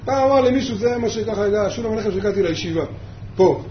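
A rabbi with a fairly high voice teaches a Torah lesson, asking his class questions and circling back to his main points. The room is echoey, the sound is a little dull, and there is a faint hum behind him. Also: expressive. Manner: asks the class rhetorical questions, repeats key points.

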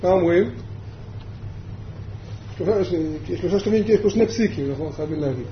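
A rabbi with a fairly high voice teaches a Torah lesson, asking his class questions and circling back to his main points. The room is echoey, the sound is a little dull, and there is a faint hum behind him. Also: lively intonation. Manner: asks the class rhetorical questions, repeats key points.

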